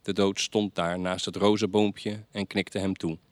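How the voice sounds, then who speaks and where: A man reading stories aloud at a reading night, measured, chatting lightly between pieces. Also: sits low, little pitch movement, dry recording.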